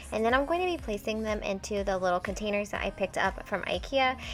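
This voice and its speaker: Speech with ordinary pitch variation over music in the background. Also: woman. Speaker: cleaning vlogger, mother. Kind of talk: voiceover narration. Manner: fast.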